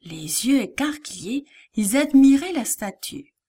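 A woman reads a children's Bible story aloud with expressive, deliberate delivery. Her voice sits on the high side and she takes her time. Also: husky.

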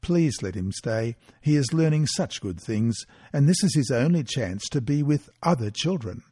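A man's voice: medium pitch, expressive, normal speed, husky, dry recording, clean studio sound. A man reading as a pleading young mother. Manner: pleading, gentle.

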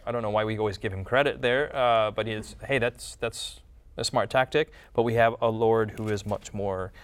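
A man's voice: on the low side, fairly even intonation, normal speed, clean tone. A man hosting a casual Bible study discussion, musing aloud and often rephrasing himself. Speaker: discussion host.

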